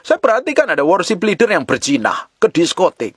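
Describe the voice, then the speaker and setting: A man preaching a sermon with passion, calling out to the congregation and slowing down to stress key phrases. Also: high voice, big pitch swings, a bit bright, slightly rough, no room sound, clean studio sound. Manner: impassioned preaching, calls out to the congregation. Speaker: pastor.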